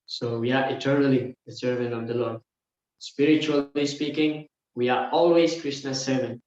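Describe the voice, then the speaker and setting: A man teaching a scripture class, explaining verse by verse and often filling pauses with "yeah" and "uh". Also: medium pitch, fairly even intonation, darkish tone. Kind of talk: scripture lecture. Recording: very echoey room, dull lo-fi sound.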